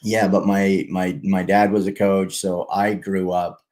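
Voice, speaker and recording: A man's voice: deep voice, flat delivery, a little slow, darkish tone. A man from Canada, a guest on a livestream interview, talking in a friendly, easygoing way. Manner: friendly, easygoing, some restarts. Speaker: guest, kids' fitness founder. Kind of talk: casual interview. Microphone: video call livestream.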